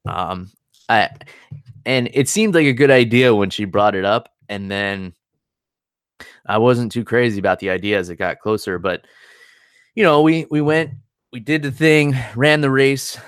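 A man's voice: medium pitch, unhurried, long pauses, clean tone, no echo, studio quality. A young man hosting a podcast, chatting casually with a rambling, self-deprecating manner. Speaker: podcast host.

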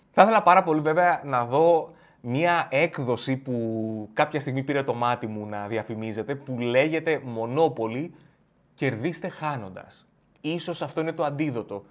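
A young adult man hosting a comic monologue, telling a story with plenty of energy and switching into other people's voices. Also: medium pitch. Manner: animated, acts out friends' voices. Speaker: comedian host. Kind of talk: stand-up style comic monologue.

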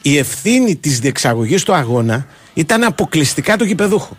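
A man's voice: a little high, very animated, slightly rough. A man, co-hosting a sports radio show, arguing his case in casual chat and piling up examples. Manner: argumentative, piles up examples and restarts.

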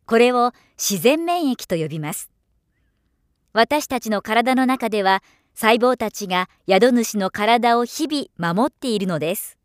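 A woman who works as a professional voice-over narrator, reading a script in a formal, measured, clearly articulated way. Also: fairly high pitch, lively intonation, no room sound, clean studio sound. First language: Japanese. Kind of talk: polished scripted narration for demos.

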